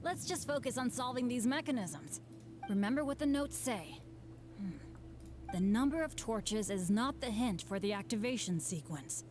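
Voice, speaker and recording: A woman's voice: a little high, expressive, normal speed, darkish tone, lightly acted. An actress voicing an earnest, upbeat young male adventurer in a game, eager, encouraging and sincere. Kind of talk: scripted anime game voice acting. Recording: game music behind the voice.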